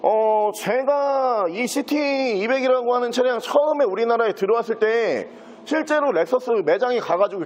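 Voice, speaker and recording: A man giving an unscripted sales walkthrough as a used car dealer, with smooth, practised salesman patter. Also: extremely high pitch. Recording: dull, muffled lo-fi sound.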